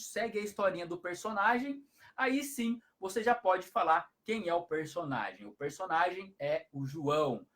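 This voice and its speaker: A man with a high voice works as a hypnotherapist and offers parenting advice during a live stream. He repeats his explanations and frequently adds tag questions.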